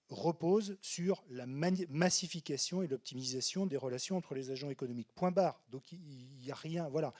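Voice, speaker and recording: A man's voice: on the high side, darkish tone. Analytical male panelist. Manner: analytical, repeats himself while searching for words. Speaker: panelist, industry director. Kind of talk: panel discussion. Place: conference hall.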